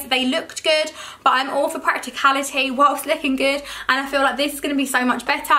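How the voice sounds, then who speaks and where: In a South East English accent, a raised, projected voice talks at a fairly quick pace over noticeable background noise. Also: woman. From South East England. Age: 20s. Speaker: home and cleaning vlogger. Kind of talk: casual talk to camera.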